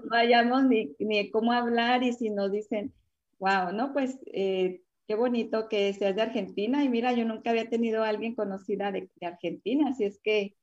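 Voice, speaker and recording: A woman's voice: a little high, steady tone, moderate pace, a little mellow, muffled recording. A woman hosting a casual panel chat, chatty and full of fillers and exclamations. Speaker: host.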